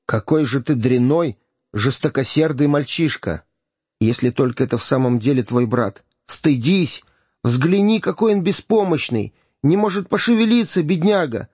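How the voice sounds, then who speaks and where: A man voicing a kindly, pitying gentleman who speaks earnestly. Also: a little high, lively intonation, normal speed, breathy edge, dry recording. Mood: sympathetic. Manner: earnest and sympathetic. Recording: dull, dry lo-fi recording.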